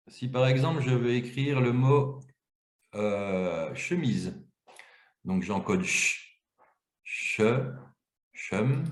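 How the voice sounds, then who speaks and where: A man's voice: mid-range voice, darkish tone. A man presenting a webinar, explaining an app step by step. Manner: explanatory, walks through screens step by step. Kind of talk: webinar software demonstration. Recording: roomy, echoey webinar audio.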